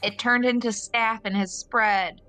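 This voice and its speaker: A woman's voice: a little high, fairly even intonation, measured pace, sharp tone. A woman chatting as a player in a tabletop game, talking in a careful, questioning way. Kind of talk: casual game chat. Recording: music under the voice. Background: background music.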